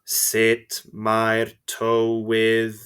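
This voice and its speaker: A male teacher putting on a flat robotic machine voice for his class, speaking in a slow, stiff monotone. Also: on the low side, clear, resonant tone.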